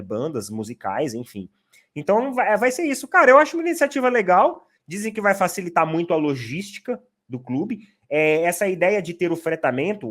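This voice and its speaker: A chatty man hosts a relaxed football talk, explaining his views at length. His voice sits a bit high for a man. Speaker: channel host, Palmeiras fan. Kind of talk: casual football chat.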